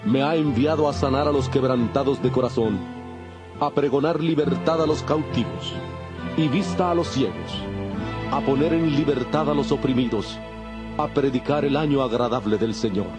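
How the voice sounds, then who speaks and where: An actor playing a solemn, authoritative preacher and prophet in a dramatized audio Bible, declaiming with emphasis. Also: male voice, medium pitch, normal speed, over music, lightly acted. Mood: solemn, proclaiming.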